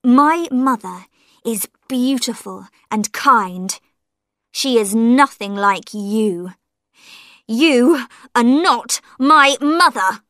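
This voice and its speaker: A woman voicing a quiet, strained man who speaks in a withdrawn way in a storybook reading. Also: on the high side, lively intonation, extremely slow, no room sound, studio quality, full character voice. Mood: tense. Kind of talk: audiobook character voice.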